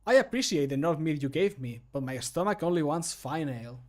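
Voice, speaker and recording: Man acting polite fantasy game man, measured delivery, slightly high pitch, courteous. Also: lively intonation, lightly acted. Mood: polite declining.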